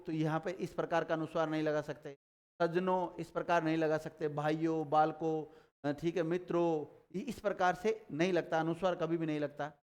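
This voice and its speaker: A man teaching a grammar lesson, explaining rules and quizzing students with quick repeated questions. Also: on the high side, clear, resonant tone.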